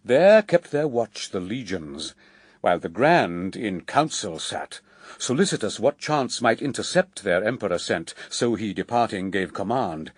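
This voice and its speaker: Male narrator for epic radio verse: solemn, measured, widely swinging intonation, close dry sound. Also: fairly low pitch, big pitch swings, slightly rough, no room sound. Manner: solemn, measured, theatrical phrasing with weighty pauses.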